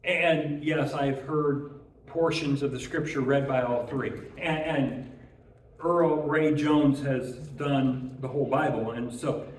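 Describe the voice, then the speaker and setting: A man's voice: mid-range voice, steady tone, slow, reverberant, distant mic, low-quality recording. A man preaching a sermon in an earnest way, who often repeats words as he restarts and draws out key phrases.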